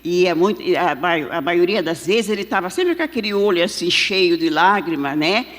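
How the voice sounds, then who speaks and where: A woman giving an emotional church testimony in a halting way, full of filler tags and restarts. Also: fairly low pitch, animated. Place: large church hall. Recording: long reverb of a church hall.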